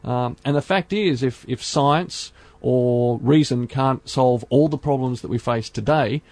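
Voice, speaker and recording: A man hosts a podcast in an earnest, measured way, dotting his talk with "you know." His voice sits at a middling pitch. The recording is close and dry. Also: a little mellow, no echo. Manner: earnest, speaks in measured phrases with many fillers. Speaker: podcast host. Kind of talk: casual podcast discussion.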